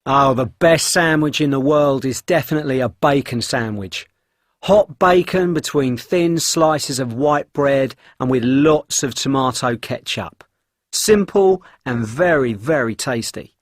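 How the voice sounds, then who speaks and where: A man's voice: medium pitch, a little slow, no echo, studio quality. A man speaking enthusiastically in a scripted textbook monologue. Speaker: speaker in a textbook listening exercise.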